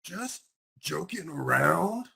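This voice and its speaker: A man's voice: fairly high pitch, sing-song, slow, gravelly, bright, forceful tone, voice pushed up, exaggerated voice. A man voicing a lonely, spiteful young male alligator in a picture book, with a defiant, grumbling manner.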